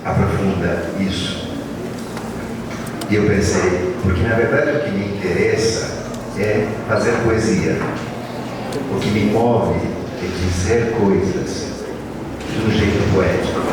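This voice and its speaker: Older man in echoey hall. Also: fairly low pitch. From Argentina. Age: 60s. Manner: reflective storytelling, unhurried. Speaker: guest speaker. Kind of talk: school talk to students. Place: large school hall. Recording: echoey hall from far off, with noise.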